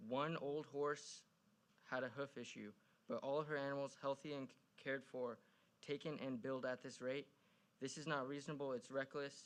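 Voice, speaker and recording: A man's voice: mid-range voice, steady tone, normal speed, fairly bright tone. A man reading prepared public remarks to a council in a pointed, critical, argumentative way. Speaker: public commenter at a city council meeting. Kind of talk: prepared speech, read out.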